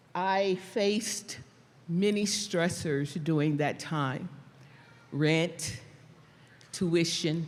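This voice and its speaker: At a very slow pace, a woman speaks in a fairly low pitch with fairly even intonation, and audible room echo surrounds her. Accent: American. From California. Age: 60s. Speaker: graduating student. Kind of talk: commencement speech. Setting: stage with audience.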